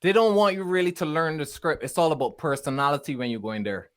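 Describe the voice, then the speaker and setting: A man with a Bajan accent telling anecdotes in casual, animated podcast chat as a comedian on the panel. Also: on the high side, quick pace. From Barbados. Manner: animated storytelling, breaking into laughter.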